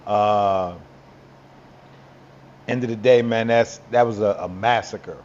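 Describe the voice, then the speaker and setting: A man co-hosting a podcast who talks over serious topics in a halting, reflective way, searching for words. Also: on the low side, steady tone, darkish tone, muffled recording. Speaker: podcast co-host. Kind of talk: casual political talk.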